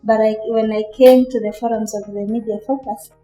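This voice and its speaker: A woman's voice: on the high side, fairly even intonation, brisk, mellow. A woman with a Kenyan accent giving interview testimony for a documentary, as someone who stood for election. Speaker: election candidate and former social worker. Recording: roomy echo, faint music behind.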